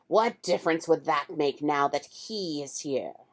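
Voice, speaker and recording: Growling in a put-on character voice, the speaker holds a middle pitch at a moderate pace. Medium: read story. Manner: deferential to mistress.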